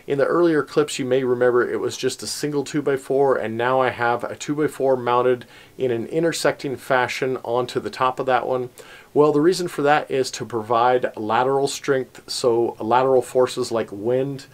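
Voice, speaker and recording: A man's voice: medium pitch, normal speed. Chatty man walking through his shelter. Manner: relaxed and chatty, lots of ums and little laughs, pointing things out. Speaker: homesteading channel host. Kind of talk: casual walkthrough vlog. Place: outdoors in an open-sided metal livestock shelter.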